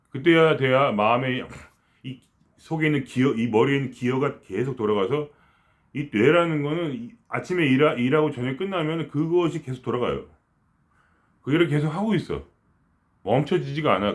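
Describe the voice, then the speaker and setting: A middle-aged man giving a casual spiritual talk, rambling and conversational, with frequent restarts and quiet murmured asides. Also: medium pitch. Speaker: spiritual teacher.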